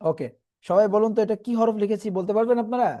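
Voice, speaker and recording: A man teaching Quran reading in an online class, patiently explaining and slowly repeating letter sounds for his students. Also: sits high, warm tone, dull audio.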